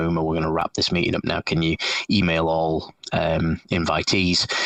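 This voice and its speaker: A man's very deep, low voice with a North Yorkshire accent, flat monotone intonation, a fairly quick pace, and a dry, close sound with no echo over noticeable background noise. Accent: northern Yorkshire English. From northern England, Yorkshire. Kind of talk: podcast interview. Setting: call, remote.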